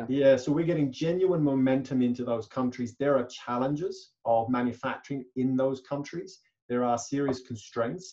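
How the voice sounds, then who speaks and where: The voice has a dark, mellow tone and fairly even intonation. It moves at a moderate pace with hardly any pauses. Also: man, medium pitch for a man. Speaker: business consultant. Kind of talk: panel discussion. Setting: video call.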